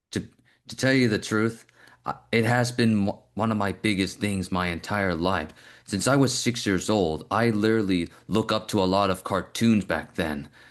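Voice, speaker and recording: The voice is resonant, at a moderate pace. The background is quiet. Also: man, fairly low pitch for a man, ordinary pitch variation. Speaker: interviewer. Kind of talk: interview.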